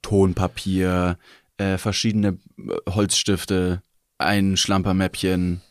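A man co-hosting a casual comedy podcast, tossing out dry, teasing, deadpan comebacks. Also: low-pitched, takes it slowly, no room sound. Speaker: podcast co-host.

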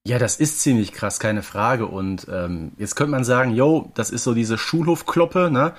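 Colloquial man podcast host, medium pitch. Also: moderate pace. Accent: German. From Ruhr region, Germany. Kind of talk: conversational podcast commentary.

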